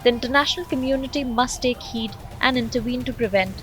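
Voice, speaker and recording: A woman's voice: on the high side, quick pace. A woman reading a scripted news voice-over as the narrator of a report. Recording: background music under voice-over. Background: music bed.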